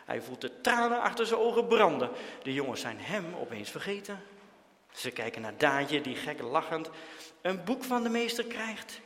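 Lively, expressive male storyteller. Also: a little high, moderate pace, big-room sound. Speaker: narrator. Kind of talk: reading a children's story aloud.

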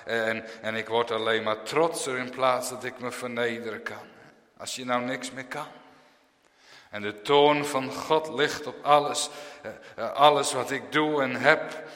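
A man preaching a sermon in a church, swinging from loud proclaiming to hushed, drawn-out words. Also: medium pitch, fairly even intonation, big-room sound.

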